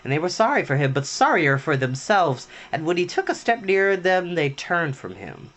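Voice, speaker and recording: A man's voice: on the high side, big pitch swings, moderate pace, a bit bright. A man reading a children's storybook aloud in a theatrical, dramatic way. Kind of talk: expressive reading of a children's novel. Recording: music playing behind the voice.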